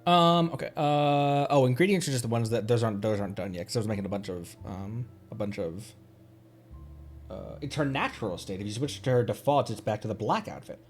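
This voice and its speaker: A man's voice: fairly low pitch, fairly quick. A man streaming a video game, chatting casually and rambling as he thinks aloud. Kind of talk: casual livestream gameplay chat. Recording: game music behind the voice. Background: soft game music.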